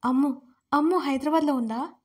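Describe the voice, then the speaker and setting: A woman's voice: high-pitched, fairly even intonation, brisk. A woman voicing a tearful young heroine. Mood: anxious. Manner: pleading, anxious questions.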